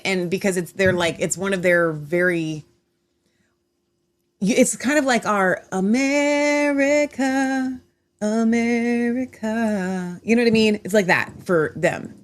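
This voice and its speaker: A woman's voice: lowish voice, a bit bright. A woman hosting an online talk show from home, chatting in a rambling way with many restarts. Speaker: host. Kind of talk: casual online show chat.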